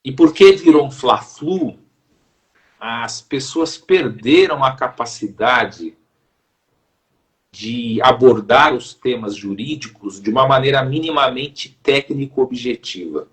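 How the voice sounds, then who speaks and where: Middle-aged Brazilian man, a judge as interview guest; mid-pitched, deliberate and formal. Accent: Brazilian Portuguese. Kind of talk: reflective interview talk.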